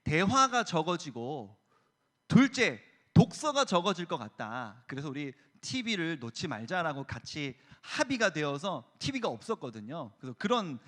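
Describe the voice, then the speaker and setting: A man in his thirties, a youth pastor giving a lively sermon to high school students and acting out story voices as he tells them. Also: normal speed. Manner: animated storyteller, acts out voices.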